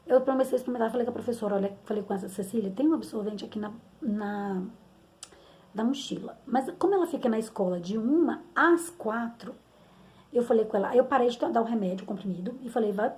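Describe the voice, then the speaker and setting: A fairly high voice with a dark tone comes from a middle-aged woman with a Brazilian Portuguese accent. She tells a personal story about motherhood in a frank, rambling, chatty way, often adding tag questions.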